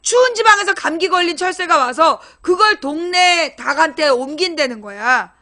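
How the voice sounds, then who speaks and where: A woman's voice: very high voice, expressive, normal speed, sharp tone. A middle-aged woman from Seoul, talking bluntly through a casual political monologue, ranting and swearing casually as she explains. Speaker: political internet broadcaster.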